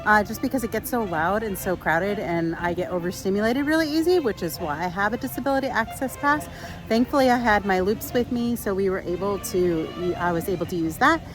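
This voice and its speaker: A woman's voice: mid-range voice, fairly quick, music in the background, rough recording. A woman chatting casually in a vlog, rambling with fillers, sometimes stuffy from allergies. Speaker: vlogger. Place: theme park, outdoors and at home.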